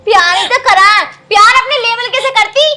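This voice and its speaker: A woman's voice: very high voice, brisk, sharp tone, full character voice. A woman playing a harsh, scolding village mother-in-law. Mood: contemptuous. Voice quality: scolding, contemptuous. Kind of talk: rural Hindi film drama.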